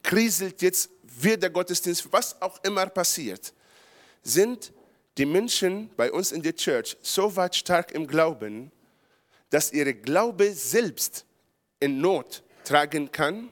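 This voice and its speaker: Impassioned preacher with an Israeli origin. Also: male voice, sits high, expressive, slow pace. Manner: impassioned, builds to loud emphatic peaks; non-native German with grammar slips. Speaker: pastor. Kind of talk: charismatic sermon.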